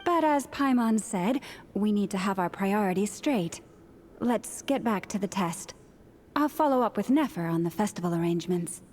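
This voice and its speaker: An actress playing an earnest, gentle young priestess in an anime game, sincere and a little hesitant. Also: female voice, medium pitch, animated, moderate pace, slight background noise, natural voice. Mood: composed.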